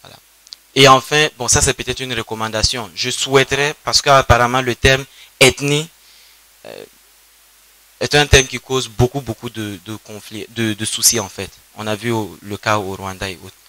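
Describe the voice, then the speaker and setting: A man's voice: medium pitch, steady tone, normal speed, bright, forceful tone, no room sound, poor audio. A man with a West African French accent asking a spontaneous question from the audience, searching for his words.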